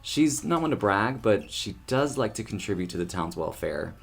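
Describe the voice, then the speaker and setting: A man playing a friendly, easygoing, chatty townsperson in an audio drama, talking in a casual, animated way. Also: on the low side, normal speed, creaky, slightly rough, soft background music, exaggerated voice. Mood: confiding.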